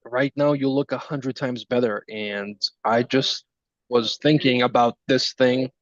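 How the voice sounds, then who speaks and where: A man's voice: medium pitch, steady tone, a little slow, no echo. A man in his early twenties chatting casually, teasing and laughing often. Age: 20s. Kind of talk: casual chat. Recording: dull, slightly lo-fi sound.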